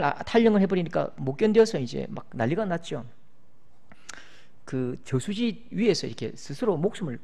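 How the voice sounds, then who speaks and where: A middle-aged male pastor preaching a sermon, moving between loud pleading cries and quiet storytelling. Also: sits high, creaky. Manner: impassioned, swings from loud cries to hushed storytelling.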